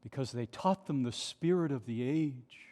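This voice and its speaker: A man's voice: mid-range voice, lively intonation, normal speed, mellow. A male pastor preaching an impassioned sermon at a pulpit microphone in a large, nearly empty church, asking rhetorical questions. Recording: long church reverb.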